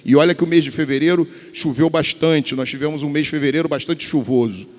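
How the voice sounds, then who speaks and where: Carioca deputy speaking in an echoing chamber. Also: male voice, fairly high pitch, fast, a little mellow. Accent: Carioca Portuguese. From Rio de Janeiro, Brazil. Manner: rambling, repeats and restarts words, addresses colleagues. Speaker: state deputy. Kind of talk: formal legislative speech. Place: large legislative chamber. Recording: long reverb of a large hall.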